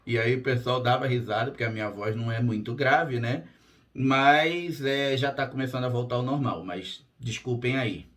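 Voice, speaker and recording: A hoarse man hosting his own channel as a spiritual therapist, talking straight to camera in a plain, direct way, often checking in with his listeners. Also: mid-range voice, moderate pace, fairly bright tone. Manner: direct and plain-spoken, frequent "tá?" check-ins. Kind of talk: casual monologue to camera.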